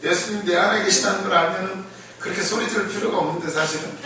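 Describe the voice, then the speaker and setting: Animated preacher in an echoey church. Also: male voice, sits high, quick pace, crowd noise. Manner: animated, acts out the blind men's shouting, laughs often. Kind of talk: conversational sermon. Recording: echoey room, voice from far off the mic.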